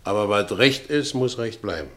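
Male actor as gullible Berlin ex-convict narrator for radio play; deepish voice, earthy Berlin accent, self-justifying. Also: expressive, moderate pace, close to an everyday voice. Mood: righteous. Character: Franz Bieberkopf, gullible working-class Berlin ex-convict narrating his life.

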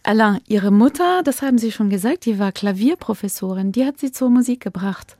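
Mellow-voiced radio interviewer, a woman. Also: medium pitch, expressive, brisk, no echo, studio quality. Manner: curious, conversational questioning.

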